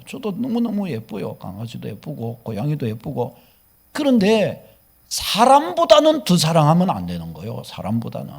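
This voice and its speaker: Animated man preaching, high lively voice. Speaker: pastor. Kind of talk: sermon. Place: church sanctuary.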